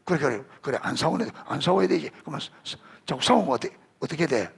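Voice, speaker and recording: A man's voice: fairly high pitch, fast talker, vocal fry, breathy edge. A middle-aged male pastor preaching a sermon, quizzing the congregation and calling on children by name. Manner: animated, rising emphasis on scripture.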